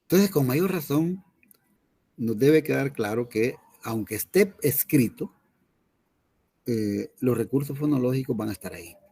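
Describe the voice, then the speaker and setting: A man's voice: mid-range voice, lively intonation, unhurried, dark tone, husky. A man, a teacher lecturing his class in an online lesson, explaining patiently and often checking in with his students.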